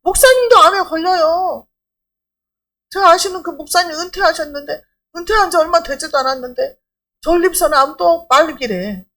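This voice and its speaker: High-pitched lady pastor, middle-aged, preaching, chatty and emphatic, keeps asking the room questions. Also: animated, normal speed, fairly bright tone. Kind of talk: sermon.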